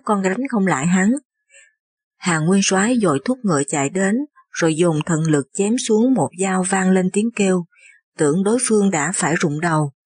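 A woman reading a historical novel aloud as a narrator, in a steady, measured storytelling manner. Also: on the low side, husky, dry recording. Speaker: audiobook narrator.

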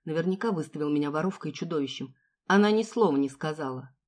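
A woman reading the part of an angry male police officer, loud and scolding, in an audiobook. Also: deep voice, expressive, fast talker. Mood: scornful.

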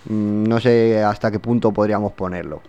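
A man's voice: fairly low pitch, fairly even intonation, normal speed, highs cut off, noisy background. A man with an accent from Spain co-hosting a radio show in a studio, laid-back and teasing, with plenty of slang. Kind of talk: casual radio chat.

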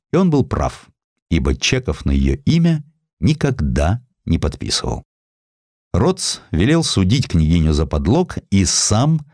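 Deep-voiced man narrating history with drama. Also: no room sound, studio quality. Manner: expressive, theatrical storytelling. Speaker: audiobook narrator.

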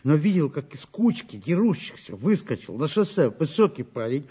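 An eager, excitable witness in an audio drama. His husky, mellow voice swoops up and down as he halts, repeats himself and bristles with indignation. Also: on the high side, normal speed, exaggerated voice. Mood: excited, indignant. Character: flustered, talkative male eyewitness, eager and indignant.

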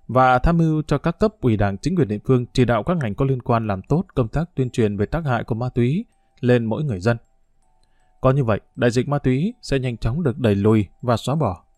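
A man narrating a news feature in a steady, grave reading voice. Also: mid-range voice, no echo, clean studio sound. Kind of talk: scripted documentary narration.

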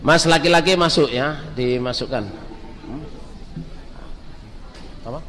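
A man's voice: medium pitch, slow, in a large hall, slight background noise. A man preaching a sermon, telling stories and speaking straight to the congregation. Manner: storytelling, lively, addresses the crowd directly.

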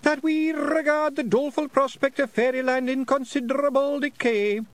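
A man voicing a small, theatrical male pixie reciting bad poetry in a high wailing voice. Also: steady tone, moderate pace, dry recording. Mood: mournful.

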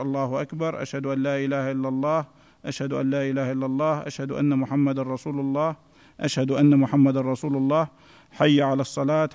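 A man reading a classical text aloud to a class in a steady recitation, recorded in an echoey hall. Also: mid-range voice. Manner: steady recitation in a level chant.

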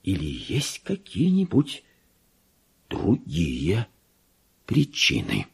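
An actor playing a deluded, pompous petty government clerk slipping into madness, in a theatrical radio monologue that moves between hushed musing and shrill indignation. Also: male voice, huge pitch swings, very slow, full character voice. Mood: bewildered, insistent. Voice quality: husky, creaky. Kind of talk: theatrical radio monologue, diary read aloud.

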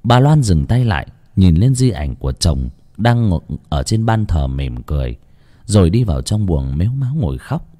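Low, mellow man telling a ghost story. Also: moderate pace. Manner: dramatic, expressive storytelling.

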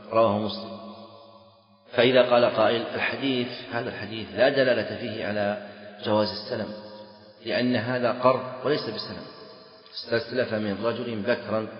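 A man teaching a lesson on a legal text, explaining by repeating key phrases and checking whether the students understand. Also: lowish voice. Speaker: sheikh teaching fiqh. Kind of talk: classroom lecture on a legal text. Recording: echoey lecture hall, dull lo-fi sound.

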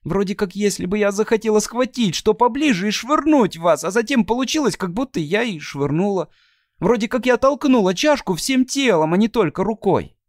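A man's voice: high-pitched, animated, fairly quick, darkish tone, dry recording, clean studio sound, pitched above the performer's own voice. A man voicing a young uneducated woman who speaks plain, ungrammatical folksy speech, stubborn and despairing. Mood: groping.

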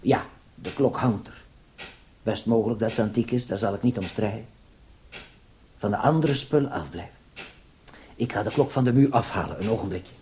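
A man's voice: fairly low pitch, moderate pace, long pauses, mellow, lightly acted. An actor playing a bumbling, grumbling male burglar in a radio play, stammering and muttering. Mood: furtive, muttering. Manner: stammering, muttering, easily sidetracked. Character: bumbling, excitable, grumbling male burglar reporting to his boss. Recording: noisy old radio play recording.

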